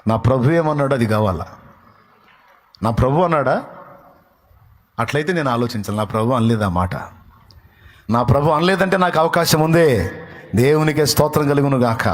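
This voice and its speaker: A man's voice: mid-range voice, expressive, moderate pace, long pauses. A man pastor delivering a dramatic sermon full of rhetorical questions and emphatic repetition.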